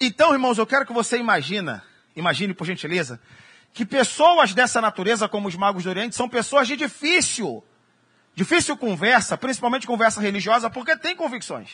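A man's extremely high-pitched, bright, sharp voice, raised and projected, with lively intonation at a fairly quick pace. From Rio de Janeiro, Brazil. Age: 30s. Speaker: pastor. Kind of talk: sermon. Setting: church.

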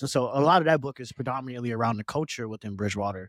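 At a very fast pace, a man talks at a medium pitch with ordinary pitch variation, his voice dry and close with no echo in a very clean recording with a silent background. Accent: American. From Detroit, US Midwest. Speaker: podcast host. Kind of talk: casual chat.

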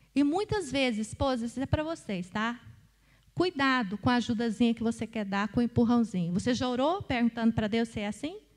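A woman with a fairly high pitch talks at a fairly quick pace with ordinary pitch variation. The recording is very clean, with a silent background. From Goiás, Brazil. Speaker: preacher. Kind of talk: sermon. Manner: animated.

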